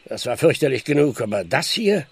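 An actor playing a weary, plain-spoken older village constable in a radio play, grumbling in a gravelly voice. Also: male voice, medium pitch, sing-song, fairly quick, heavily acted. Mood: worried. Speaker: actor in audio drama. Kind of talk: German radio play acting.

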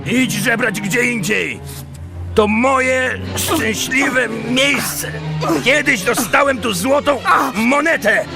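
A man voicing a spiteful, territorial beggar in a cartoon, with a gravelly voice. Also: very high-pitched, takes it slowly, over music, full character voice. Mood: hostile. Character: spiteful, territorial beggar guarding his lucky spot.

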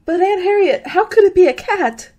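A woman's voice: extremely high pitch, animated, normal speed, dark tone, muffled recording. A woman playing an anxious, hesitant college girl in a radio horror drama. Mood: anxious, insistent. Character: frightened, persistently questioning college girl. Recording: music behind the voice.

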